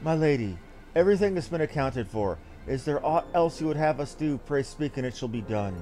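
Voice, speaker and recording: A man reading a fantasy game script aloud in a formal, theatrical, measured delivery. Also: on the high side, animated, warm tone, soft background music.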